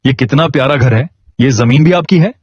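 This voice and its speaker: Man voicing a timid young girl, high pleading voice, husky tone, dull dry recording. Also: brisk, darkish tone, no room sound, natural voice. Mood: eager, timid. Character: twelve-year-old girl, shy and eager herb gatherer.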